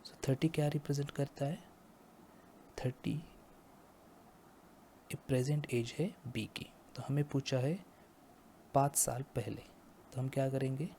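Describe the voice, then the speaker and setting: A male teacher who talks in a mellow, unhurried voice and walks his students through a maths problem one step at a time. He keeps checking that they follow before moving on, and a faint hum of the room sits under his voice. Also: medium pitch, fairly even intonation. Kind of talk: math lecture.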